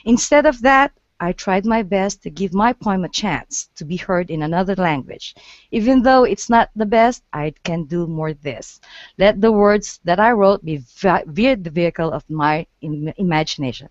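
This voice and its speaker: A woman's voice: fairly low pitch, lively intonation, dry recording. Woman reading her poem, dull line. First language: Portuguese. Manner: earnest, halting, restarts words. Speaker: guest poet.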